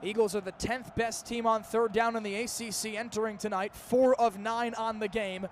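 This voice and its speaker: A man's voice: sits high, level tone, normal speed, slight background noise. A man in his early twenties calling live American football play-by-play in the style of a radio broadcast. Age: early 20s. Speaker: play-by-play sports announcer. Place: outdoor stadium broadcast position.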